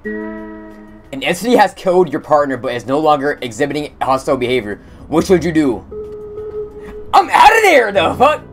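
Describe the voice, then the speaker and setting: A young man casually commentating on a game stream, using slang and talking excitedly to his chat. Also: on the high side, normal speed, pauses often, soft background music. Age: young adult. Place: indoor room at streaming setup.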